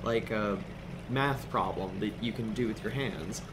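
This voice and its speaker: An actor playing a modest, practical young mechanic in a naturalistic audio drama. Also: male voice, on the low side, unhurried, close to an everyday voice. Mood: modest, reflective. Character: modest, practical young man, small-town boat mechanic. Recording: boat and water noise behind voice.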